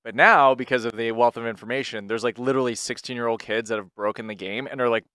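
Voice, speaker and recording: A man's voice: medium pitch, fairly even intonation, fast, sharp tone, clean tone, no room sound. A man co-hosting a podcast, chatting loosely with lots of filler words. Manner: loose, filler-heavy talk with frequent "like". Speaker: podcast co-host. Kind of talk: casual podcast chat.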